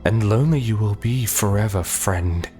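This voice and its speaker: A man voicing a commanding, sinister masked cult leader in a horror story, deep and haunting, with solemn, archaic, menacing delivery. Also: moderate pace, dark tone, soft background music, lightly acted. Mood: cold, scornful.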